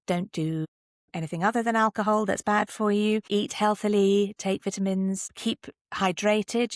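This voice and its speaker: Low, slightly creaky woman giving candid advice. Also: no room sound, studio quality. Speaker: podcast guest, actor and drama teacher. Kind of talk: conversational interview advice.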